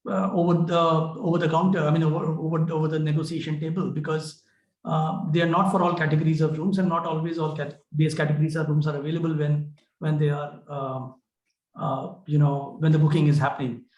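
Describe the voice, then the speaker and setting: A man with an Indian accent answering questions as a company executive on an earnings call, explaining in a measured, hesitant way. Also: fairly high pitch, little pitch movement, darkish tone, highs cut off. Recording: roomy, echoing conference call.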